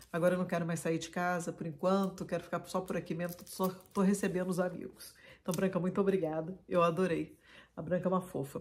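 A somewhat breathy woman with a fairly low pitch speaks very fast in a monotone, flat intonation. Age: 60s. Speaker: book vlogger. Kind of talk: casual vlog talk to camera. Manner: hesitant, many fillers. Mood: warm, grateful. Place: home room. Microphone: phone near.

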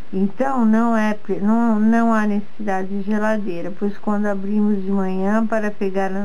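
The speaker is a woman. Her intonation is flat and monotone. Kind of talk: casual vlog chat. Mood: relaxed, amused. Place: home room. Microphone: phone near.

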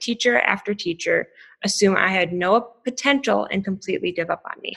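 With an American accent, a woman speaks at a moderate pace in a medium pitch, using ordinary pitch variation and a bright, sharp tone over a quiet background. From Wisconsin. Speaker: technical college student. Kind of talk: prepared speech. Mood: earnest, emotional story. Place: classroom. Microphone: webcam.

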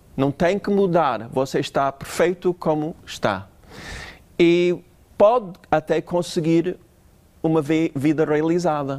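At a very slow pace with long, frequent pauses, a man speaks with a fairly high pitch. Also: ordinary pitch variation. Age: 60s. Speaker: novelist. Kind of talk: interview. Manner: halting, with fillers.

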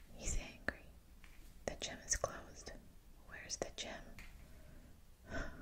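A woman whispering at a fairly slow pace with long, frequent pauses. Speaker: ASMR creator. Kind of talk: ASMR whisper video. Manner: whispered. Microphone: studio mic.

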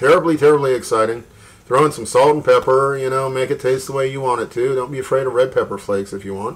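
The speech moves at a fairly quick pace with ordinary pitch variation. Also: man. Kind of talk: casual cooking tutorial. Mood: dry, self-deprecating humor. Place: kitchen.

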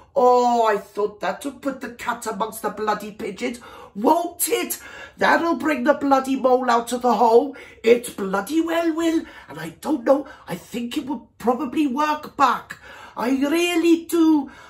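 High-pitched put-on character voice from a woman, moderately paced. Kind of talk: comic overacting. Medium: solo performance. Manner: whiny, indignant, rambling.

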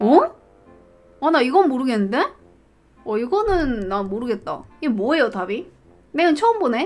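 Over faint background music, a woman projects a raised voice that swings very widely in pitch. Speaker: streamer. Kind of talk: casual livestream talk while doing a quiz. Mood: playful, puzzled. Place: home room. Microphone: studio mic.

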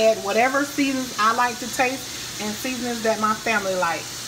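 Over noticeable background noise, a woman speaks with fairly even intonation. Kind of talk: casual cooking tutorial. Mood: relaxed, friendly. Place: kitchen. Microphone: phone near.

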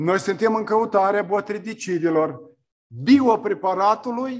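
A man's high-pitched voice with ordinary pitch variation, against a quiet background. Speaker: academician, researcher; presenter. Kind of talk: formal presentation. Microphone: video call.

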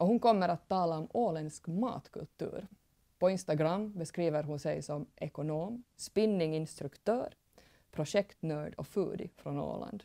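A woman speaks in a fairly low, dark, mellow voice. Her pitch varies in an ordinary way, and the background is quiet. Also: fairly slow pace. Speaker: program coordinator. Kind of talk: formal welcome speech.

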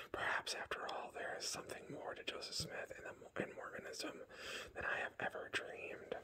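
Someone is whispering. The pace is moderate. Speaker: ASMR reader channel host. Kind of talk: reading a religious memoir aloud. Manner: whispered, soft.

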